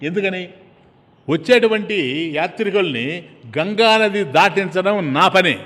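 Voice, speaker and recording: A man's voice: high voice, animated, unhurried, fairly bright tone, voice pushed up. Earnest devoted boatman, humble and proud of his trade, voiced by a man in a sermon; long hall reverb.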